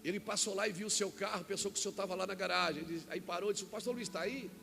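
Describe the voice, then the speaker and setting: A Brazilian man preaching a sermon as a pastor, telling a personal story with quoted dialogue and rising to shouts at the peaks. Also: high voice, very fast, creaky, music in the background. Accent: Brazilian Portuguese. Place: church event hall.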